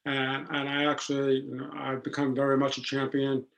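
Male podcast guest, deep flat voice, earnest with ums and restarts. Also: normal speed, vocal fry. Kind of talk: casual podcast conversation.

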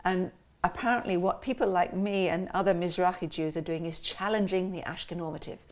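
Lively lower-voiced woman. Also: a little fast. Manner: lively, animated storytelling. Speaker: interview guest, musician and cartoonist. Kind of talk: casual conversational interview.

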